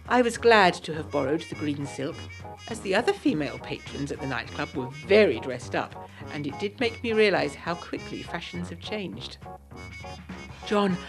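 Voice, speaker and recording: A woman's voice: fairly low pitch, darkish tone, poor audio. A woman playing a genteel, proper yet adventurous 1920s Englishwoman, reading a letter in an audio drama with refined, formal, old-fashioned phrasing. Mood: wistful, excited.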